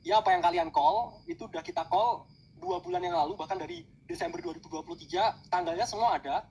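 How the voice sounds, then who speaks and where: A man's voice: sits high, big pitch swings, fast, darkish tone, slightly rough, poor audio. A man rattling off crypto trading calls in a casual podcast chat, mixing English trading jargon into his talk.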